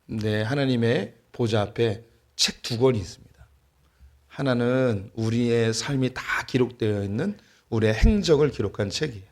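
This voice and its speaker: A middle-aged man preaching as a pastor, with a voice of ordinary middle pitch. He tells a family anecdote in a relaxed, storytelling sermon style, with touches of dry humor. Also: normal speed. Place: church sanctuary.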